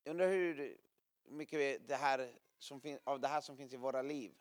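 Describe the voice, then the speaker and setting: A man preaching a sermon to a gathering, telling vivid stories with sound effects and frequent laughter. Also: mid-range voice. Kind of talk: sermon with lively storytelling.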